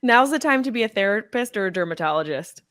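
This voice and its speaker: A woman's voice: mid-range voice, expressive, fast talker, a bit bright, no echo, clean studio sound. A woman hosting a comedy podcast, brash, profane and playful with her guest. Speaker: podcast host. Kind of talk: casual comedy podcast chat.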